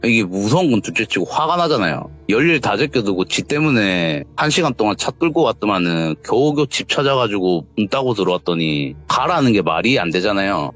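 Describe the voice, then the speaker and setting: A man's voice: very animated, fairly quick, few pauses. A man, recounting a ghost story in casual talk and acting out the voices in it. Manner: acts out quoted lines, shouting in a raised pitch. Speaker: interviewee telling a true ghost story. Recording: dull lo-fi sound with faint music.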